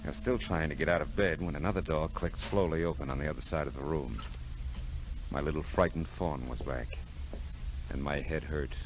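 A man's voice: a bass voice, moderate pace, poor audio. A man playing a world-weary private eye, wry and laconic, in a 1940s radio noir drama. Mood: wry, brooding. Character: hard-boiled, world-weary male private eye narrating his case. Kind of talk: 1940s radio noir acting, first-person narration. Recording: old radio drama recording with music.

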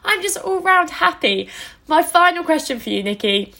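A woman co-hosting a casual sports podcast in a teasing, animated way. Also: very high voice, moderate pace. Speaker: podcast co-host.

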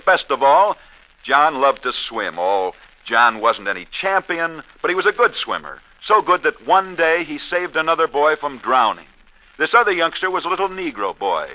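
A man narrates scripted sports tales in a dramatic, declamatory manner, like a host of a 1940s radio show. His voice is very bright and ringing, and sits a little high. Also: muffled recording.

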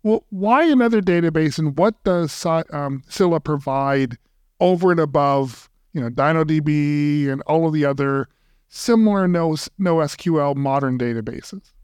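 A man's voice: on the high side, moderate pace, a little mellow, clean tone, no room sound, clean studio sound. A man hosting an interview podcast, asking questions in a friendly, conversational way. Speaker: podcast host.

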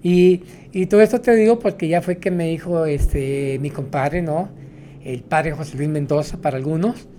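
A man's voice: a little high, normal speed, dark tone, a little hiss or hum. A man, a taxi driver, telling his stories in a rambling way, tagging his sentences with "¿no?". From Mexico. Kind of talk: storytelling interview.

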